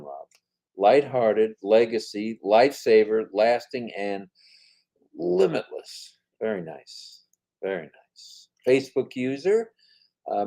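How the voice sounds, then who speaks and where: A man's voice: medium pitch, dark tone. An older man co-hosting a casual live-stream chat, reading viewer comments aloud in an upbeat, chatty way.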